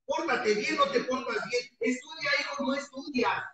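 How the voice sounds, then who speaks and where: A man with a Mexican accent pours out a raw, profanity-filled testimony, his voice cracking with emotion. He sits high in pitch and sounds distant from the mic. The long echo of a meeting hall and a listening crowd surround his words. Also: normal speed. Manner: heavily profane, impassioned, voice often breaking. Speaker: recovering alcoholic giving testimony. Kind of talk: impassioned testimony at a support-group meeting. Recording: echoey hall, mic far off, crowd behind.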